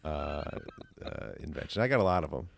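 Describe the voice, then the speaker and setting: A man's voice: a bass voice, lively intonation, fairly quick, vocal fry, a little hiss or hum. A man talking casually as a podcast guest, explaining his ideas in a rambling, emphatic, philosophizing way. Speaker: podcast guest, stage actor.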